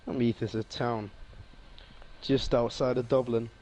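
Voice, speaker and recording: A young man as co-commentator on a sim racing stream, friendly and measured, adding analysis. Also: medium pitch, steady tone, a little mellow, poor audio.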